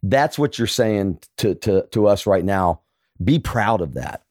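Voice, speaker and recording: A man hosting an interview speaks in a low voice. His sound is dry and close. He asks open questions and backs up his guest with eager praise. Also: expressive, unhurried, a little mellow, dry recording. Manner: encouraging, enthusiastic affirmations.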